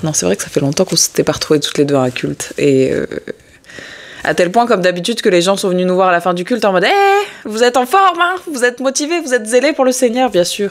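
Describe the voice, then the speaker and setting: A woman rattles along at a very fast pace, her pitch swinging very widely, as noticeable background noise runs underneath. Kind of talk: casual devotional talk with scripture reading. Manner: hesitant, many fillers.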